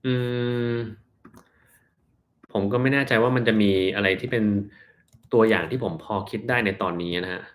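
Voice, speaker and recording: A man, a doctor, reads out viewers' health questions on a live stream and answers them in a plain, relaxed way, slowing down to explain terms. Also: on the low side.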